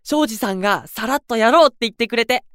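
A man's voice: very high voice, expressive, fast talker, fairly bright tone, clear, resonant tone, no echo, studio quality. A man playing a cheerful, carefree junior idol with breezy, boyish, slangy delivery in an anime-style audio drama. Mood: upbeat.

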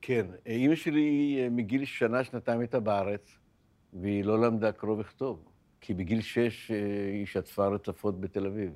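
A man's voice: on the low side, mellow, no room sound. An older man, a podcast interview guest, telling his life story in an emotional, vivid way, often repeating words as he speaks.

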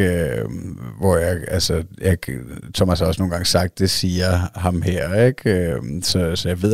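Male podcast co-host, very deep and gravelly, hesitant casual talker, dry close mic. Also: darkish tone, no room sound. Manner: hesitant, many fillers and restarts. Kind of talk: casual chat.

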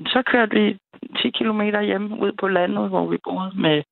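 Woman caller, gravelly, chatty storyteller who laughs often, tinny phone line, dry sound. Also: mid-range voice, no echo. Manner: lively, chatty, laughs between sentences. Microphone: telephone.

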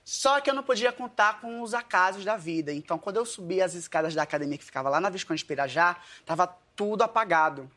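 A man's voice: sits high, fast, few pauses. A man from Paraíba with a Northeastern Brazilian accent, telling a comic story to an audience and acting out the voices of the people in it. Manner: animated, acts out his own dialogue. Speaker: guest storyteller, dance teacher. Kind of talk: comedic storytelling before an audience.

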